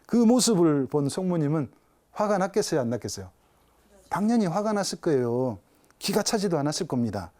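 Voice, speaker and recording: A male Catholic priest delivers a spiritual talk in a somewhat high, mellow voice. His pitch rises and falls widely as he tells a story. He keeps putting rhetorical questions to his listeners.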